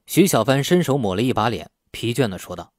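A man's voice: mid-range voice, very animated, fairly quick, no room sound, clean studio sound. A man narrating a novel as a scripted, dramatic audiobook.

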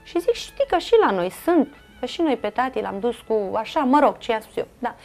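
A woman's voice: fairly high pitch, animated, darkish tone, faint music behind. A middle-aged woman with a Romanian accent, an interview guest earnestly recounting a personal family story with many fillers and quoted dialogue.

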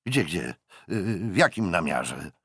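A jovial young sea officer, voiced by a male reader, talking up a little brighter than the narration and swinging freely in pitch. Gravelly, husky texture, close and dry. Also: sing-song, unhurried, dry recording, full character voice. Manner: cheerful, bantering. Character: hearty young naval officer, jovial and frank. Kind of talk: audiobook character voice.

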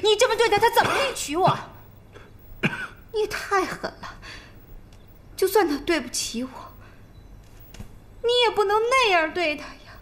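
A woman's voice: extremely high pitch, expressive, normal speed, long pauses, a bit bright. An actress playing a headstrong, lovesick young lady of a rich family in a period TV drama, tearful and demanding. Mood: anguished. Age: young adult. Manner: tearful and demanding, pleading then scolding.

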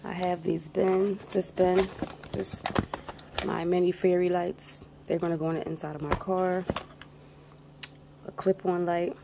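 Holding her phone indoors, a vlogger and channel host gives a relaxed show-and-tell, with clear background noise in the recording. Her fairly low, creaky voice stays flat and unhurried, broken by long pauses.

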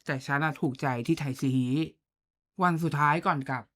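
A woman's voice: low-pitched, brisk, fairly bright tone. A woman co-hosting a podcast, chatting casually with blunt, slangy banter and playful comparisons. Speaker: podcast co-host. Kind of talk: casual chat.

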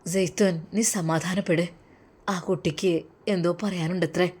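Woman doing a soft-spoken arab man, devout and tender, hushed pleading talk. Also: on the low side, fairly even intonation, moderate pace, slightly rough. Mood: calming.

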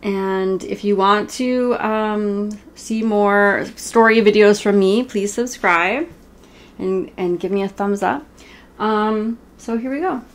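A woman's voice: medium pitch, slow. A woman in her thirties reading a picture book aloud to children, informally and speaking straight to her young listeners. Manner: informal, self-interrupting, speaks directly to young viewers. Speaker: children's story reader. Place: small room at home, indoors.

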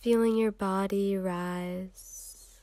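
A woman leading a guided meditation in a soft, soothing, unhurried way with long pauses, breathy at times. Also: medium pitch, fairly even intonation, dry recording, studio quality.

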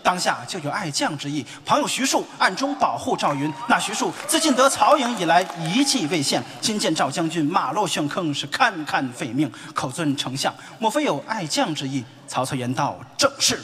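A man in his seventies performing stage crosstalk comedy, declaiming a rhythmic recitation that builds to shouts. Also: fairly high pitch, very animated, normal speed, few pauses. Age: 70s. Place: large theater stage. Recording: live theater hall with a roaring crowd.

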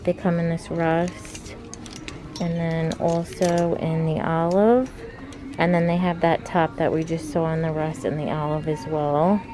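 A fashion vlogger, a young woman, chats casually while filming herself shopping in a clothing store, dropping "like" constantly in her shop-with-me narration. Her voice is low, with little pitch movement and an unhurried pace. It's captured on a handheld phone camera, with background noise and music playing over her voice.

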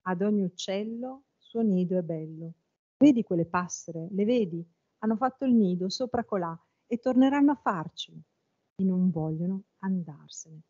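A woman's voice: medium pitch, lively intonation, moderate pace, warm tone, close to an everyday voice. A woman voicing a sorrowful, stubborn old fisherman grandfather, in a dull lo-fi recording.

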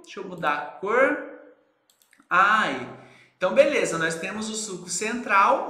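A man's voice: high-pitched, pushed and bright, echoey room. A male teacher giving a recorded lecture, asking rhetorical questions and checking in with his students as he goes. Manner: didactic, asks rhetorical questions and checks in with "tá, gente?".

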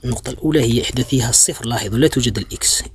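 A man's voice: medium pitch, rapid-fire, a little hiss or hum. A man teaching a math lesson, walking students through a graph step by step. He is patient and repetitive, often calls them "my children", and corrects himself with many fillers. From Algeria. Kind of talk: blackboard-style math lesson.

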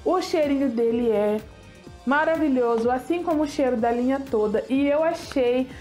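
A chatty woman in her thirties from Brazil, reviewing hair products to camera with a high, bright voice. She talks with easy enthusiasm and pokes fun at herself, recorded on a lapel mic in a small home studio. Soft music plays faintly underneath. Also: moderate pace.

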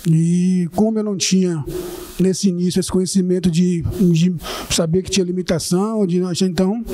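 High-voiced Bahian man, mellow tone. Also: a little hiss or hum. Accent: Bahian Portuguese. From Bahia, Brazil. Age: 40s. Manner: earnest and informal, often adds a questioning tag. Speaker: panelist, social assistance coordinator. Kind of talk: panel talk, personal account. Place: indoor studio panel, seated among guests.

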